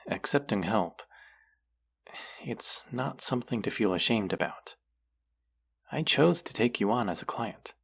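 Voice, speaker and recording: A voice actor playing a caring but gently stern clinic guide in a roleplay audio drama, soft-spoken and concerned, talking straight to a patient. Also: sits low, creaky, husky, full character voice. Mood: concerned, chiding. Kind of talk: roleplay audio drama, speaking softly to the listener.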